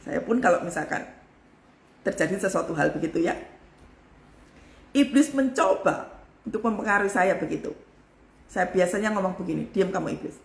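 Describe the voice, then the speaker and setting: A woman pastor giving a live devotional sermon with a forceful, emphatic delivery. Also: medium pitch, normal speed, creaky, long pauses, reverberant.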